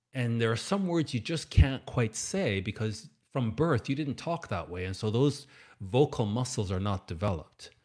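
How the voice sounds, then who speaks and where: On a very clean recording with a silent background, a man speaks at a moderate pace and medium pitch. His voice is somewhat breathy, with very wide pitch swings. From Britain. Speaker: pastor. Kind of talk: bible study lecture. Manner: halting.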